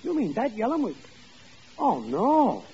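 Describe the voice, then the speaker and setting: A genial, slow-witted lodge brother talks in a very high, wildly swooping voice with folksy grammar and grand words. It is vintage radio comedy on a dull, faintly noisy recording. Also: male voice, huge pitch swings, dark tone, exaggerated voice. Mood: genial, oblivious. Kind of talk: old-time radio sitcom acting.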